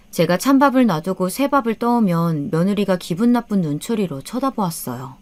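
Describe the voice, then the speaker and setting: A woman's voice: lowish voice, a little mellow. A woman narrating a first-person story as an aggrieved older mother, in a subdued, rueful manner.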